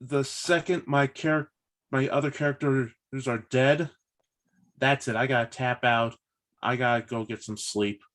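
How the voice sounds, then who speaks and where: A man in his thirties chatting casually on a video call, halting and often repeating himself. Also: mid-range voice, steady tone, fairly bright tone. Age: 30s. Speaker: participant in a virtual table read. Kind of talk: casual chat before a script read.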